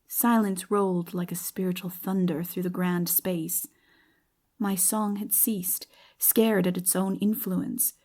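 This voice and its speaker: A woman's voice: fairly low pitch, flat delivery, slow pace, dark tone. A woman narrating a literary audiobook as a dramatic reading.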